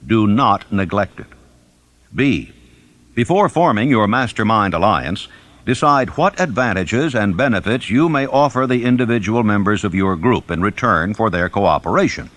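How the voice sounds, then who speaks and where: A man reading a scripted self-help audiobook in a measured, instructive and emphatic manner. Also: on the low side, animated, fairly bright tone, no echo. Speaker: audiobook narrator.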